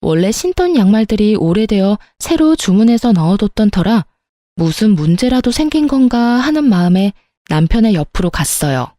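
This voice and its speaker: Woman narrator, mellow dark tone, dry close voice, exasperated and confiding. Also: mid-range voice, big pitch swings, normal speed, dry recording. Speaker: storytelling narrator. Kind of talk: first-person story narration.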